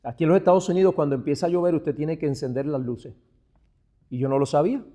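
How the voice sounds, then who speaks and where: In a church teaching talk aimed at other pastors, a man from Puerto Rico speaks fast in a fairly high voice, carrying a Puerto Rican Spanish accent. Rhetorical questions and the address "brother" run through it, along with a back-and-forth between hushed remarks and emphatic, stressed phrases.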